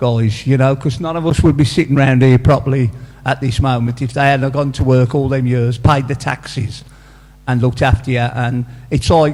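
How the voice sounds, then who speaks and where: With a Birmingham accent, a man speaks at a moderate pace in a medium pitch and fairly even intonation. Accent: Brummie. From Birmingham, Nechells. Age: 70s. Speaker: pensioner, local resident. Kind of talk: public meeting question. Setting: church hall with audience, microphone.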